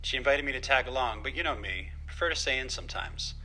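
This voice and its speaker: An actor playing a worried, protective older father in an audio drama, gently cautioning and a little hesitant. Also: mid-range voice, expressive, fast, low-quality recording. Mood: easygoing. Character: worried, protective older dad, homebody tinkerer. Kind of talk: naturalistic audio drama acting.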